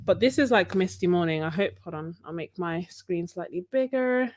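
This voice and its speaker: Chatty woman with a lowish voice. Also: normal speed. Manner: relaxed, chatty, many "like" fillers, laughs easily. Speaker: art channel host. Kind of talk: casual livestream chat.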